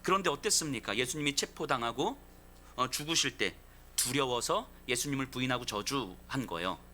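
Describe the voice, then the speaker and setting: A man preaching a Sunday sermon as pastor, talking in a conversational way, dropping soft and low for quoted lines and building up to emphatic lists. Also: expressive, moderate pace, slight background noise.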